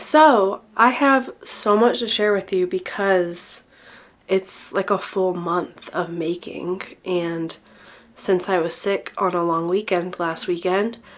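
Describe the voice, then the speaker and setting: Her pace is very slow. This woman speaks at medium pitch with ordinary pitch variation. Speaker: knitting podcaster. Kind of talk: casual podcast monologue. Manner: casual, filler-heavy.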